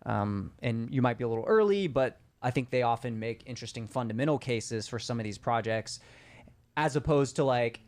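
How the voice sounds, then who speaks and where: A man's voice: medium pitch, lively intonation, brisk, darkish tone. Thoughtful, hedging man on a podcast. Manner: thoughtful, hedging, many fillers. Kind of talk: casual money podcast chat.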